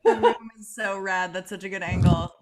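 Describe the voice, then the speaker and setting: A woman chatting casually on a video call in an animated, exclamatory way, with plenty of swearing. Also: medium pitch, moderate pace, crowd noise. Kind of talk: casual chat before an online table read.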